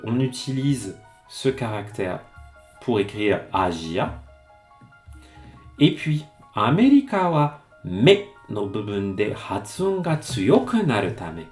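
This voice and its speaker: A man teaching Japanese in French on a live stream, reading passages aloud and explaining them in a chatty, lively way. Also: lowish voice, gravelly. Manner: greets chat viewers by name. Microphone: streaming mic.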